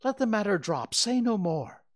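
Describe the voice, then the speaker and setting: A man's voice: sits high, very animated, normal speed, pitched above the performer's own voice. Man voicing a pleading young lady. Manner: pleading, breathless. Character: anxious earnest young woman, gentle.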